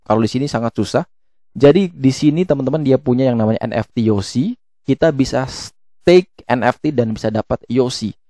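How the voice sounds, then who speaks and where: A man's voice: mid-range voice, warm tone, dry recording, clean studio sound. A man giving a casual explainer as an online video host, often hesitating and correcting himself as he goes. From Indonesia. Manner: halting, with frequent hesitations and self-corrections. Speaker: YouTube host explaining crypto tokens. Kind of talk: casual explainer, walking through a web page.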